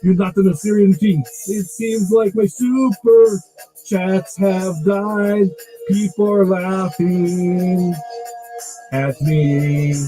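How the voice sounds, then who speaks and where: A man playing a hoarse, whiny trucker streamer. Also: sits high, steady tone, slow pace, warm tone, soft background music, poor audio. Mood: droning song. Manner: whiny, self-pitying, coughing. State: hoarse, scratchy throat. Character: sick, lonely male trucker streamer begging for donations. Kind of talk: comic parody clip.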